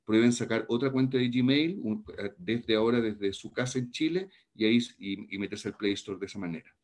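Low-voiced man giving notices on a call. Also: brisk, darkish tone. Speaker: webinar moderator. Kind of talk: practical announcements.

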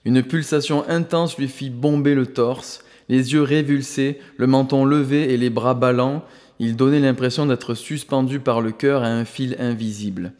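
Male audiobook narrator, steady and even, mid-pitched, long reverb. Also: normal speed. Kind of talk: scripted narration.

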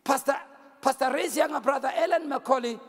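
A man with a South African accent preaching a sermon as a bishop, telling a story loudly and repeating phrases for emphasis. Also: extremely high pitch, a little fast. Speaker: bishop and pastor. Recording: long hall reverb.

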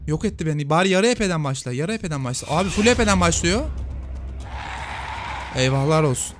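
Excitable man yelling over game music. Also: a little high, brisk. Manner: excitable, yells at the screen. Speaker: gaming youtuber. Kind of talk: casual let's-play commentary. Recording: game music loud behind voice.

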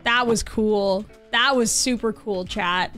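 A bubbly, talkative young streamer chats casually with her viewers while playing a game, mentioning that she's losing her voice. She speaks slowly in a medium pitch, with soft music in the background.

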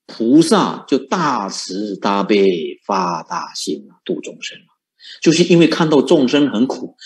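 Lively Buddhist monk giving a dharma talk. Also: male voice, on the low side. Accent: Fujian-influenced Mandarin. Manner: rhetorical questions, chuckles at his own points.

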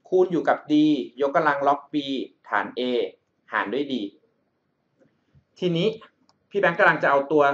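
Male tutor for screencast lessons, a bit high-pitched, friendly big-brother tone, slightly muffled recording. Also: fairly bright tone. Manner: calls himself by a big-brother nickname, checks in with the student often. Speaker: math tutor. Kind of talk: explaining exam problems over a whiteboard screencast. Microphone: voice-over on a screen recording.

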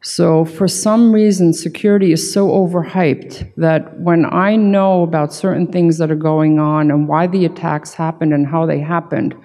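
A middle-aged woman with a low, soft-edged voice presents at a conference podium. She explains in an informal but emphatic way, and the big hall adds a long reverb around her words. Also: steady tone, moderate pace, hardly any pauses. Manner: emphatic, informal, peppered with "right" and "you know". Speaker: conference keynote speaker, security consultant. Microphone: podium gooseneck microphone.

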